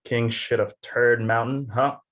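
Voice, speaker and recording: A man's voice: medium pitch, flat delivery, a little slow, a bit bright, close to an everyday voice. A man playing a crude, sardonic company henchman with a blunt, needling manner, in a drama table read.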